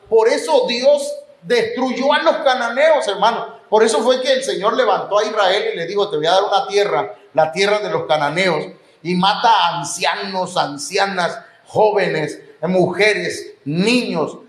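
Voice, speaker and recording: A man with a Mexican Spanish accent preaching a sermon in a church, with rising emphasis and the odd joke. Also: high-pitched. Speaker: pastor. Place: church hall. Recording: echoey church hall.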